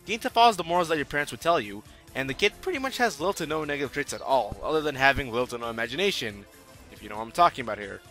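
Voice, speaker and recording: A man's voice: mid-range voice, bright, forceful tone. A man giving a casual, opinionated video review as host, irreverent, sarcastic and slangy in his delivery.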